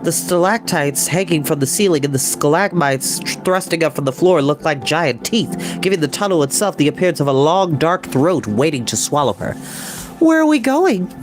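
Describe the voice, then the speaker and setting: A woman's voice: low-pitched, brisk, hardly any pauses. A woman narrating a children's story expressively, as a storytime reader. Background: music.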